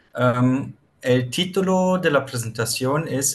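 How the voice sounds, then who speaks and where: Speaking at a very slow pace, a man sounds somewhat breathy. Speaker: architecture lecturer. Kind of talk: lecture. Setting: video call. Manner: halting, many fillers.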